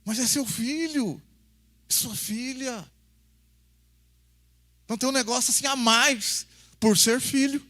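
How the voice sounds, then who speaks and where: A man's voice: extremely high pitch, slow, pauses often, bright, forceful tone. A man with a Brazilian accent preaching a folksy, conversational sermon, calling the congregation brother and acting out family scenes. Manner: folksy, acts out family dialogues. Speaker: pastor.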